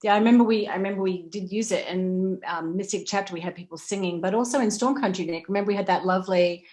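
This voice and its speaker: A woman's voice: on the low side, darkish tone. A woman moderating a panel conversationally, with a chatty and encouraging manner.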